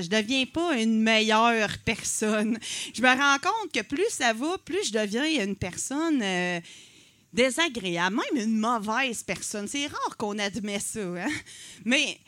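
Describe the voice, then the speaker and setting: A woman in her forties with a Quebec French accent performs a stand-up set. Her voice sounds bright and a bit high, and she mocks herself in a chatty way, full of filler words. The recording is dry and close. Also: no room sound. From Quebec City, Canada. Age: 40s. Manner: self-mocking, chatty, with many fillers. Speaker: stand-up comedian. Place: comedy night on stage.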